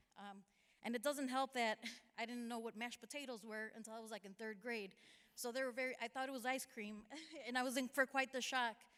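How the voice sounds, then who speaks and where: The speaker has an American accent and a bright, sharp tone, with monotone, flat intonation. The pace is very fast, and the loudness swings widely. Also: woman, high pitch for a woman. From Chicago, US Midwest. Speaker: audience member, finance executive. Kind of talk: audience comment at panel.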